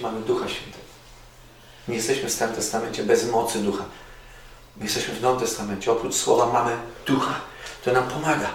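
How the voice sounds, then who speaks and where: Man, preacher, earnest sermon, heavy echo, distant mic. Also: mid-range voice. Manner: earnest, repetitive exhortation with sudden loud rises and soft drops. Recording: very echoey, distant mic with faint noise.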